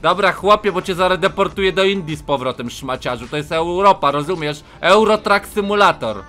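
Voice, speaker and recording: A bright, lively male streamer voice that jumps around in pitch as he plays. He shouts and curses at strangers in an online game, mocking them in rough English. Faint music sits under his chatter. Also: a little fast. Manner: shouting, swearing, mocking other players in broken English. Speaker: gaming streamer. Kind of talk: loud, profane live gameplay commentary.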